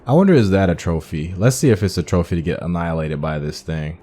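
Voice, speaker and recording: A man's voice: sits low, fast, warm tone. A man giving casual let's-play commentary on a video game, musing aloud as he talks through each step. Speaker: gaming streamer playing through a video game.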